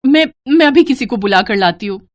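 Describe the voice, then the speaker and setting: A woman voicing a gentle, dutiful young village wife in a moral story cartoon, polite and expressive. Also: a little high, a little fast, lightly acted. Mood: alarmed.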